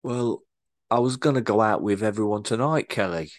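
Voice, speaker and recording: A man's voice: fairly low pitch, moderate pace, lightly acted. A man playing an awkward, evasive young staff member who hesitates and stumbles over fillers.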